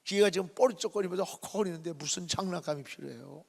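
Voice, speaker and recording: A middle-aged male pastor preaching a revival sermon, telling a story dramatically and swinging between hushed whispers and loud cries. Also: sits high, quick pace, gravelly. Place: church sanctuary. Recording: hall reverb.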